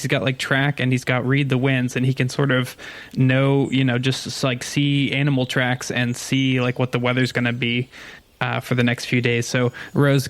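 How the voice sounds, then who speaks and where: A man narrates his character in a tabletop role-playing game. His talk is casual and rambling, explaining things as he goes. The pitch stays in a narrow, even band. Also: dry recording.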